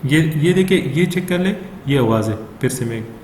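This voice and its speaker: A man with a South Asian accent gives a casual software tutorial, explaining informally step by step. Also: fairly high pitch, animated, moderate pace. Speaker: tutorial presenter. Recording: noticeable background noise.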